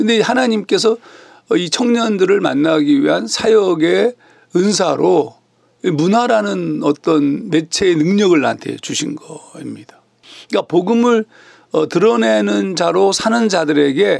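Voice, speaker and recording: At a fairly slow pace, a man speaks with a high pitch that takes very wide swings. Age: 60s. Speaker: pastor. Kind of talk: devotional talk. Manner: conversational, with hesitations.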